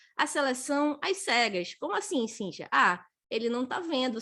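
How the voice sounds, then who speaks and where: This woman's voice has a bright, sharp tone. Her delivery is animated, with lively intonation. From Brazil, Pernambuco. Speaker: career consultant. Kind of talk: live webinar talk. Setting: live stream.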